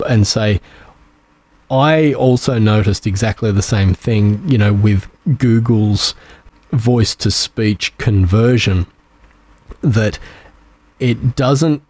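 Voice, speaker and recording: A man with an Australian accent hosting a podcast on his own, talking in a relaxed, rambling way with frequent fillers and restarts. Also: lowish voice, no room sound. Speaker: podcast host. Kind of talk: casual solo podcast talk.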